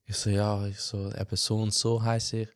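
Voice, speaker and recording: A man's voice: fairly low pitch, normal speed, dry recording, clean studio sound. A young man with a Swiss German accent, originally from Macedonia, telling a casual story in a podcast chat. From Albanian from Macedonia. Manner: animated, slangy storyteller with frequent filler tags. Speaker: podcast host.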